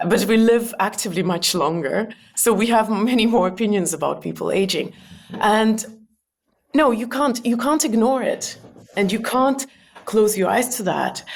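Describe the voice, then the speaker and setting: With a strong non-native accent, a woman with fairly high pitch and vocal fry speaks at a moderate pace, leaving long, frequent pauses. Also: ordinary pitch variation. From Soviet Union. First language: not English. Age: 40s. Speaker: author and entrepreneur. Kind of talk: podcast interview. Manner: hesitant fillers.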